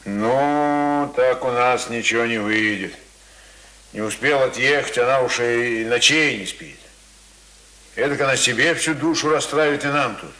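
An actor in a radio drama playing a folksy, gruffly kind village uncle, colloquial and protective, on a hissy old recording. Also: male voice, mid-range voice, sharp tone, poor audio. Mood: concerned. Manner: folksy, colloquial, halting muttering and exhorting.

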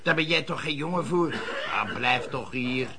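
A man's voice: mid-range voice, expressive, moderate pace, crowd noise, lightly acted. An actor playing a fatherly, concerned boss of a lodging house in a radio play, coaxing and colloquial. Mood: worried, coaxing. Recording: noisy old radio play recording.

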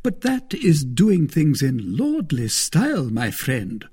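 A man voicing an anxious, thrifty middle-aged woman married to a lawyer, with a shrill, tremulous, pleading manner. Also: huge pitch swings, slow, mellow, breathy edge, heavily acted.

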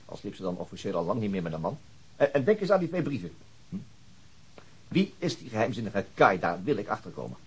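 An actor playing a methodical, doubting police detective in a radio drama, deliberate and husky. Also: male voice, fairly low pitch, low-quality recording.

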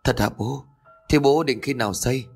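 A man voicing a frightened but fierce young woman, a grieving daughter in a horror story, high and sharp when she raises her voice. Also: moderate pace, vocal fry, slightly rough, faint music behind. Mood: worried.

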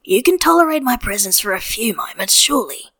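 A woman's voice: a little high, animated, brisk, a bit bright, slightly rough, full character voice. A woman voicing a blunt, insistent swordsman for a storybook reading.

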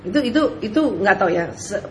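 A woman preacher giving casual advice to listeners' questions, animated, asking rhetorical questions and laughing often. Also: medium pitch, fast, slight background noise.

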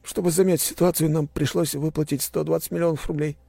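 Brief: distraught young son, stammering and tearful, husky and raised. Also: male voice, a little high, flat delivery, a little fast, dark tone, no room sound, voice pushed up. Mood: desperate, tearful. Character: young adult man, distraught sobbing son. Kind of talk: audiobook character voice.

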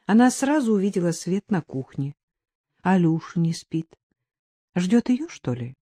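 A woman narrating an audiobook in a calm, even storytelling manner. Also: on the low side, unhurried, dry recording, studio quality.

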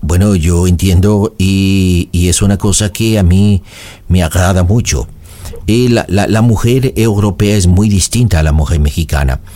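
A man's voice: low voice, close to an everyday voice. A man playing a flowery, courtly French suitor in his forties on a prank call. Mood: romantic. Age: 40s. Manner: flowery, courtly, slow romantic flattery. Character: smooth-talking French suitor man, middle-aged.

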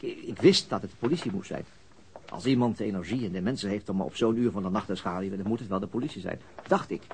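An actor playing a weary, dry police detective in a radio drama, speaking in a deliberate, understated way. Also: male voice, mid-range voice, close to an everyday voice. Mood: tense. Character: male police detective, weary, dry, recounting being shadowed. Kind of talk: radio drama acting, narrating and dialogue. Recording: noisy older radio drama recording.

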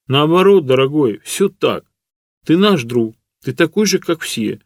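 Guy doing a sweet young woman, high and soft, coaxing. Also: animated, unhurried, no echo, clean studio sound. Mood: tender. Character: affectionate young woman, warm and gentle.

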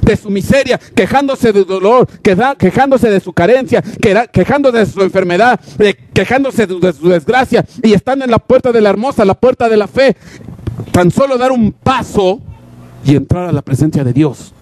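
A male preacher giving an impassioned sermon, full of rhetorical questions and sudden shouts. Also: sits high, moderate pace.

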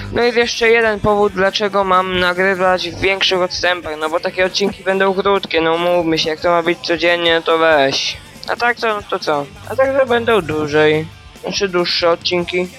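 A man's voice: high-pitched, sharp tone. A man hosting a solo podcast, chatting in a meandering, hesitant way with lots of fillers. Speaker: podcast host. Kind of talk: rambling solo podcast chat.

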